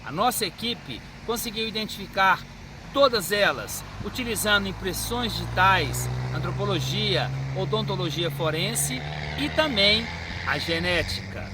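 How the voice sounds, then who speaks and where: High-voiced Brazilian man in his fifties. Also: animated. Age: 50s. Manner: measured, didactic. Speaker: forensic medical examiner. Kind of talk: answering interview questions. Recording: street and car noise behind.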